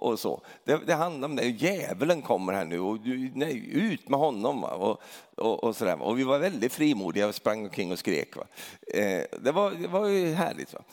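A middle-aged man giving a sermon like a story told to friends, tagging "va?" onto his sentences and stumbling through restarts before climbing to loud, emphatic peaks. His pitch swings widely from low mutters to high exclamations. His voice carries the long reverb of a large hall. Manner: conversational storytelling, tags lines with a questioning "va?". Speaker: preacher.

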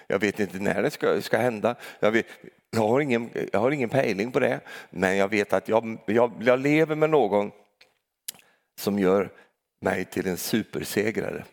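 Guy preaching, keeps asking the crowd questions, lively sermon. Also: lowish voice, gravelly. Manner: lively, talks straight to the congregation with rhetorical questions and tag "va?".

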